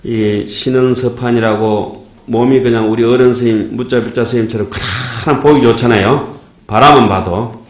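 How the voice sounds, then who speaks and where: A man's voice: medium pitch, steady tone, normal speed, roomy sound. A man giving a Buddhist dharma talk in a sermon style, folksy and joking, often checking in with his listeners. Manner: folksy, joking, asks the audience "예?". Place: temple dharma hall.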